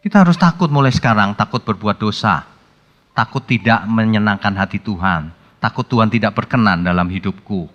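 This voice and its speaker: A male pastor preaching a sermon in a conversational, colloquial way, breaking into sudden animated outbursts. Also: lowish voice, a little fast, lo-fi sound. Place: church hall. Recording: long hall reverb with faint music.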